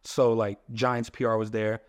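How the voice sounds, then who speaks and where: A man's voice: on the low side, little pitch movement, normal speed. Casual young man telling stories. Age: young adult. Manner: casual, rambling storytelling with many "like" fillers. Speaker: guest, sports filmmaker and photographer. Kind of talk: casual podcast interview.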